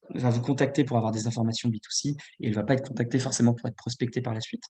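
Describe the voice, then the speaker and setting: This somewhat breathy voice carries a dark, mellow tone. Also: man. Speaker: business founder presenting a webinar. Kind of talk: webinar presentation. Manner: fast; hesitant, many fillers.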